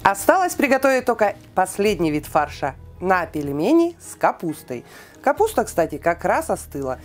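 A woman giving a calm, precise step-by-step cooking voice-over, listing weights and steps, with soft music behind her. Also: medium pitch, moderate pace. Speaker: cooking channel host.

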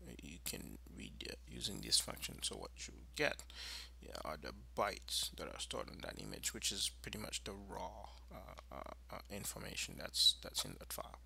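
A man presenting an informal screencast tutorial, explaining in a halting, improvised way. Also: low-pitched, sing-song, vocal fry, pushed and bright, slight background noise.

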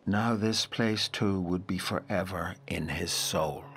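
Low male voice narrating an audio drama, grave n intense, big pauses, noisy background. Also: exaggerated voice. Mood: hushed wonder. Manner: measured, intense, dramatic pauses, dropping to hushed phrases. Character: grave narrator haunted by a wild lake memory.

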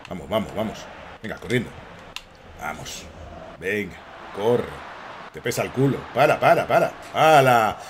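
A man with a Spain Spanish accent streaming live gameplay commentary, joking and excitable with swearing banter. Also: medium pitch, slight background noise. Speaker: gaming streamer.

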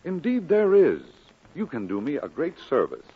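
An actor playing a solemn, declamatory preacher full of grief and conviction, in mid-century radio drama style. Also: male voice, fairly high pitch, huge pitch swings, moderate pace, slightly rough, heavily acted. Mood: tender, sorrowful. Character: impassioned, grieving preacher leaving his valley, firm and commanding. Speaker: minister. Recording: muffled old radio recording.

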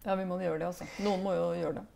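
A middle-aged woman with a fairly low voice chats frankly as a guest author. She keeps checking in with tag questions and restarts her sentences as she talks. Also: fairly even intonation, gravelly, mellow. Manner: chatty, frank, tags remarks with questions. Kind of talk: casual conversational interview.

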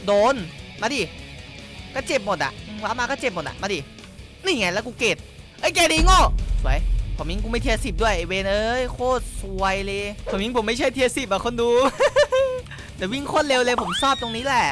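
A man giving excitable, crude, joking commentary while he plays a game, often yelling, close on a desk mic. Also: extremely high pitch, brisk, soft background music. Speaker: gaming YouTuber. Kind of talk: gameplay commentary.

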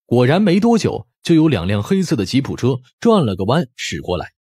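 Male audiobook narrator: slightly rough, animated delivery, dramatic storytelling, close dry sound. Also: mid-range voice, brisk, no room sound.

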